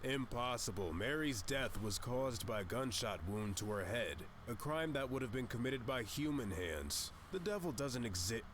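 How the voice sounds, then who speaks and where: A man's voice: mid-range voice, expressive, normal speed, hardly any pauses, fairly bright tone, a little hiss or hum, close to an everyday voice. A man playing a solemn, self-assured detective in a visual novel, making dramatic pronouncements. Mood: pompous, assured. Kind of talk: visual novel character acting.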